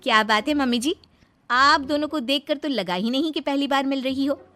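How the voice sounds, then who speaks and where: Woman doing a soft-spoken young daughter-in-law, polite, fairly high voice, cartoon story. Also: normal speed. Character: young gentle daughter-in-law, meek and hurt.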